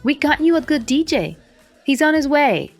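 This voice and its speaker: High-voiced bossy Latina mother. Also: sing-song, normal speed, soft background music. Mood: affectionate, coaxing. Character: affectionate, bossy middle-aged Latina mother. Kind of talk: audio fiction drama acting.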